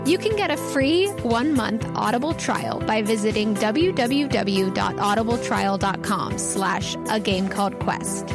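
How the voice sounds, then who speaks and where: Woman game master over clear background music. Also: fairly high pitch. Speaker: game master and podcast host. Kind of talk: narrating a tabletop game. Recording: music playing behind the voice.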